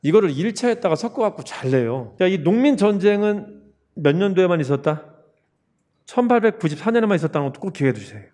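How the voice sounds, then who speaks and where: A man gives an online history lecture in a casual, chatty way. He keeps putting questions to his students and answering them at once. His voice sits a bit high but sounds mellow and warm. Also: fast talker. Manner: lively, asks the class questions then answers them himself; casual, chatty with jokes to aid memory. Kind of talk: online exam-prep lecture.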